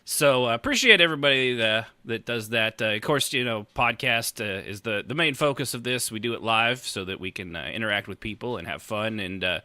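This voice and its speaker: A man's voice: fairly low pitch, sharp tone, no echo. A man hosting a live podcast in a casual, rambling, joking and teasing way. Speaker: podcast host.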